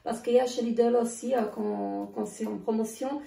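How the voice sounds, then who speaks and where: A woman talks through her groceries in a halting, filler-heavy way, her voice gravelly and losing strength. Her tone is mellow and a little high. She sits back from the mic in an echoey room. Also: fairly even intonation, far from the mic. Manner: hesitant, many filler sounds, halting restarts. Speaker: vlogger. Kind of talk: casual grocery haul vlog.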